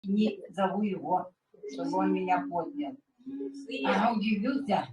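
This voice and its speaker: A woman's voice: medium pitch, a little slow, crowd noise. A woman in her sixties giving a chatty personal testimonial at a meeting, dropping frequent filler words. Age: 60s. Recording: echoey room, distant mic.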